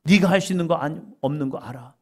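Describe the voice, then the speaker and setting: A middle-aged man preaching a sermon as pastor, acting out dialogue with sudden loud, emphatic rises. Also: a little high, quick pace.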